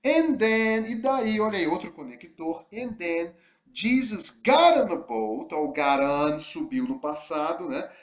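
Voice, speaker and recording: A man with a Brazilian Portuguese accent, a native Portuguese speaker, teaching an English lesson, reading sentences slowly and then translating and explaining them. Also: sits high, very animated, reverberant. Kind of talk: recorded language lesson.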